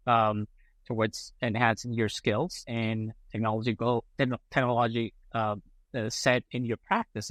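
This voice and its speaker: A man's voice: fairly low pitch, fairly bright tone, no echo. A middle-aged man from Colombia, a prosthodontist guest on a podcast, talking casually with many fillers and restarts. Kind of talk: casual interview talk.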